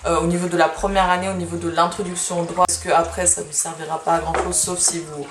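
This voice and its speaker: A woman's voice: fairly low pitch, little pitch movement, quick pace, very noisy. A woman in her early twenties, not a native French speaker, giving casual, informal advice to camera with emphatic repetitions. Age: early 20s. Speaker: student vlogger giving study advice. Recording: echoey room.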